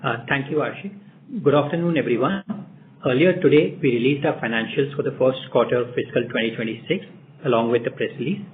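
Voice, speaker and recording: A man's voice: medium pitch, quick pace. A man with an Indian accent, a corporate executive giving a scripted introduction as host of a business call. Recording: narrow phone line, faint noise.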